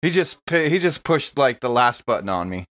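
Male tabletop player, casual chat, forceful bright voice with very animated intonation. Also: medium pitch, normal speed, no room sound, highs cut off. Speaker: player in a tabletop roleplaying game.

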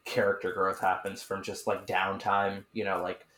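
A man's voice: deep voice, monotone, normal speed, fairly bright tone. A man on a podcast, a tabletop player, chatting easily and laughing often. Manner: easygoing, laughs a lot. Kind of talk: casual podcast chat. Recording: roomy echo.

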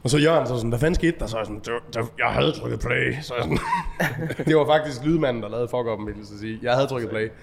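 A man telling stories in a casual podcast chat, animated and acting out shouted quotes. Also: medium pitch, hardly any pauses, long reverb tail. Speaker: event organizer.

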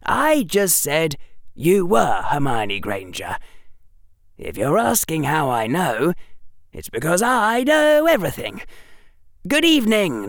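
A man voicing a clever, self-assured young boy wizard in a storybook reading, brisk and teasing. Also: high voice, vocal fry, fairly bright tone, dry recording, studio quality, pitched above the performer's own voice, full character voice. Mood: confident. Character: cocky clever boy wizard, first-year.

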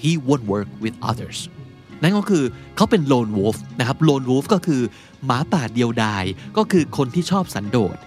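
A young man hosting a casual podcast lesson, chatty and patient, reading out English example sentences slowly. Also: mid-range voice, very animated, faint music behind. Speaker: podcast host teaching English vocabulary.

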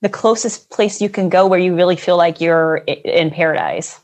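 A woman's voice: fairly low pitch, moderate pace. Chatty young woman guest. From Netherlands. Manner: chatty, many fillers and laughs. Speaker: guest, financial advisor. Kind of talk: casual interview chat.

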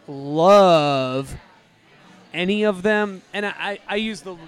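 A man with a high-pitched voice hosts a casual podcast. He is upbeat and jokey and steers the talk with questions. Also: takes it slowly. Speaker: podcast host. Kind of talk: casual chat.

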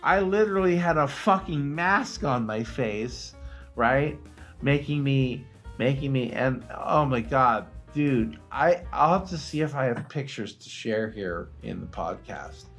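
A man co-hosting a casual comedy podcast, telling stories in a profane, animated way and acting out quotes. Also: mid-range voice, measured pace, breathy edge, faint music behind. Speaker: podcast co-host.

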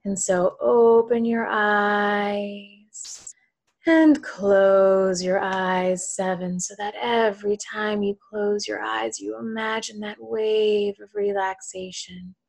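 A woman hypnotherapist guiding a relaxation induction in a soothing, lulling manner, her phrases trailing off softly toward a whisper. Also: mid-range voice, fairly even intonation, creaky, dry recording. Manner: slow, drawn-out, lulling delivery with pauses.

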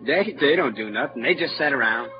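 A man's voice: medium pitch, expressive, fairly quick, natural voice. An actor playing Huck, a clever boastful frontier boy with a rural Southern dialect, in an old-time radio drama. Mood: lecturing. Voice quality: bright, showy, know-it-all delivery. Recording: dull lo-fi old radio recording with music.

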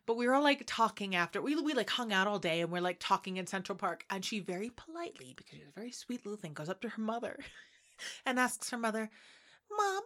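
A woman from Texas co-hosting a casual film podcast, an animated and theatrical storyteller. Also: medium pitch, fast talker. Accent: mostly neutral American with slight Texan traces. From Texas, USA. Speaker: podcast co-host. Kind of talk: casual chat about a film.

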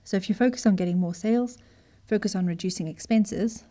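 Woman business coach from Zimbabwe, warm, dark tone, earnest and emphatic motivational delivery. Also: mid-range voice, brisk. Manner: earnest, emphatic, direct address. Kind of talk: motivational talk.

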